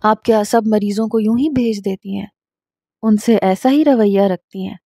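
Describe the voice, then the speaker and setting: A woman's voice: medium pitch, warm tone, no room sound, clean studio sound, lightly acted. A woman voicing an obsessive, jealous young man in a storybook reading, speaking in a heated, demanding way. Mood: obsessive, angry.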